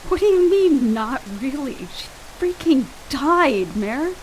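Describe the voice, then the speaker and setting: A woman's voice: high-pitched, big pitch swings, slow pace, heavy background noise, exaggerated voice. A woman acting in a radio play as an anxious, tipsy, grieving friend who is haunted by guilt, hesitant and stammering. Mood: agitated.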